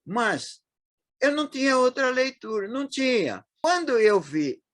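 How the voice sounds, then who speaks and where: A man in his eighties with a São Paulo accent, reminiscing as an interview guest, talking haltingly with frequent restarts and fillers. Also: very high voice, very animated, fairly bright tone, no room sound, clean studio sound. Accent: Paulistano Brazilian Portuguese. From São Paulo, Brazil. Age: 80s.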